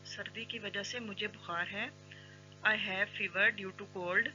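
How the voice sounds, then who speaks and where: An English teacher who drills everyday phrases, repeating each one and saying the English lines very slowly and clearly. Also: mid-range voice, fairly even intonation, bright, forceful tone. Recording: slightly dull sound with faint background music.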